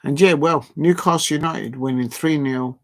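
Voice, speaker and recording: A man's voice: on the high side, normal speed. Rambling man signing off a stream. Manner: rambling, filler-heavy, reading out chat shout-outs. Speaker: football watch-along streamer. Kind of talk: casual late-night live stream wrap-up. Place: at home at night with a TV on.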